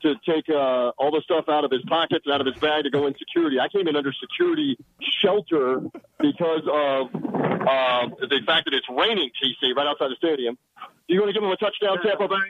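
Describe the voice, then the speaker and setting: Man giving rapid, confident football breakdowns. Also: on the high side, animated, narrow, tinny audio, slight background noise. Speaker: sideline reporter, guest. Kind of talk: radio sports analysis by phone. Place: sheltered security area outside a stadium.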